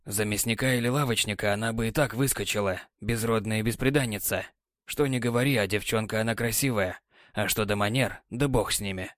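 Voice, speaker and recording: A man voicing a weary, gruff sea captain who is a tender husband, speaking low with sighs and mutters. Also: a little fast, a bit bright, no echo, clean studio sound, natural voice. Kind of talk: audiobook character voice.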